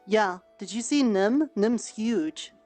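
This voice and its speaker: A woman's voice: mid-range voice, expressive, takes it slowly, a little mellow, soft background music. A woman on a headset mic chatting casually during a roleplay game, mildly scolding and matter-of-fact. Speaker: roleplayer and streamer. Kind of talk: casual in-character roleplay chat.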